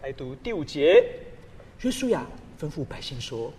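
A male pastor preaching a sermon with a high, bright-pitched voice that leaps up and down as he fires off rhetorical questions. His delivery is animated and expressive. A long reverb trails behind each phrase. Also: moderate pace, slightly rough.

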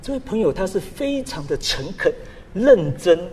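A male pastor preaching a sermon with a high, bright-pitched voice that leaps up and down as he fires off rhetorical questions. His delivery is animated and expressive. A long reverb trails behind each phrase. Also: normal speed, husky.

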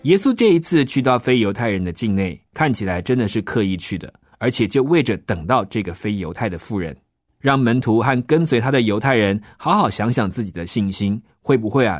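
Lively-voiced man telling a children's story. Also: on the low side, brisk, no room sound. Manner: gentle explaining with soft sentence-end particles. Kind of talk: scripted children's Bible story narration.

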